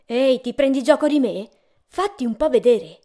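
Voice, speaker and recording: A woman's voice: high voice, lively intonation, normal speed, mellow, pitched above the performer's own voice. A woman reading a storybook aloud and voicing a lost, cold male traveler who pleads and calls out eagerly. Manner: pleading, eager, slightly raised voice.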